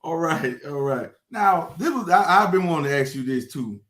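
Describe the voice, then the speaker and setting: A man's voice: on the high side, lively intonation, moderate pace, a bit bright. A man hosting a casual interview, reacting a lot and asking loose, rambling questions. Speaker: host. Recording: roomy echo.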